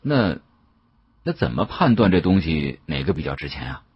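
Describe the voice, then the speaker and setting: A man's voice: a bass voice, very animated, normal speed, husky, dull audio, voice pushed down, heavily acted. A man voicing a guarded, plain-spoken antiques shopkeeper in an audiobook, with a wry colloquial manner. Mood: wary.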